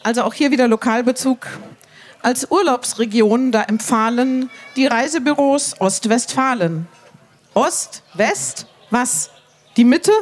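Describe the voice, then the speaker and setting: Woman co-hosting a limerick evening, bright higher voice, brisk quips, reads verses aloud. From Cologne, Germany. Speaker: co-host reading limericks.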